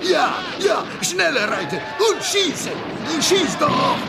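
An actor playing an excitable Russian male doctor with a Russian accent, shouting and cheering in a radio play. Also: extremely high pitch, slow, a loud crowd, heavily acted. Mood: gleeful cheering. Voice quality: raspy, gravelly. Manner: shouting enthusiastically. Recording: radio play with loud music. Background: loud music.

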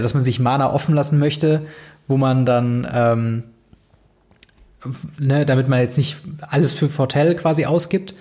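A man's voice: mid-range voice, darkish tone. A man co-hosting a casual podcast, talking hesitantly with many fillers and often agreeing. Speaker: podcast co-host. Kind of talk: casual podcast chat about card games.

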